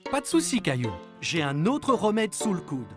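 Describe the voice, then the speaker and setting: Cheerful young cartoon dad, mock-grand and patient, hugely animated intonation. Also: male voice, high-pitched, moderate pace, music in the background. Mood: playfully confident. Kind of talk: children's cartoon dialogue.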